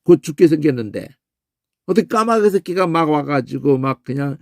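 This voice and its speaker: Animated man teaching, gravelly and lively. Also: fairly high pitch, normal speed, no room sound, clean studio sound. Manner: animated, peppers talk with questioning "eh?", imitates crow cries and shouts. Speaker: Bible teacher. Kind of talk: Bible word-study lecture.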